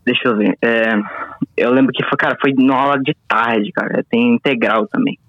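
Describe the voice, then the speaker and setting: A man's voice: mid-range voice, fairly even intonation, moderate pace, no echo, phone-quality sound. A young man in his late teens from Paraná, Brazil, calling in to a show over the phone and chatting casually, swearing freely and saying "man" constantly. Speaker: caller. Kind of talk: casual call-in chat.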